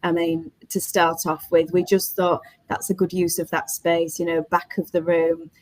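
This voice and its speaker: A woman's voice: lowish voice, flat delivery, normal speed, a little mellow, no room sound, low-quality recording. A woman workspace operator talking casually and reflectively as a webinar panellist.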